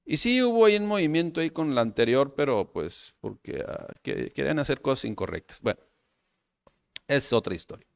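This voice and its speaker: A pastor with a Mexican Spanish accent preaching a sermon, animated, often checking with his listeners and calling them brothers. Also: medium pitch, a little fast, creaky, dry recording, studio quality.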